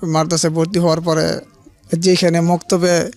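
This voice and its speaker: A man's voice: fairly high pitch, little pitch movement, moderate pace, darkish tone, faint music behind. A man telling his life story as an interview guest, hesitant and plain-spoken, with frequent restarts. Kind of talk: halting personal storytelling.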